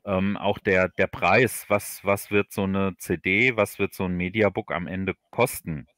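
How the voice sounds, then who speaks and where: A man in an unscripted interview, speaking haltingly and often repeating words as he looks for phrasing. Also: low voice, steady tone, fairly bright tone, no echo, studio quality. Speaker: author being interviewed on a livestream.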